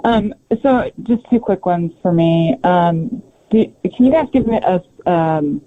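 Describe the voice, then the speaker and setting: Polite male caller with questions, slightly high pitch, hesitant phrasing, thin phone-line audio. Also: lively intonation. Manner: halting, polite. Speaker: financial analyst asking questions. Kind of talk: spontaneous questioning on a conference call. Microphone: telephone. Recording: narrow tinny phone line.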